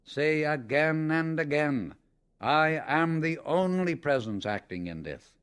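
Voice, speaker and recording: A man narrating a scripted spiritual audiobook in a measured, emphatic, instructional manner. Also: on the high side, animated, a bit bright, smooth.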